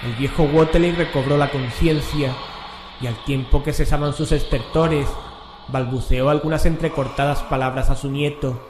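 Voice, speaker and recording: A man narrating a horror radio drama from a script in a measured, solemn, literary manner. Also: a little high, steady tone. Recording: echoey room, clear background noise.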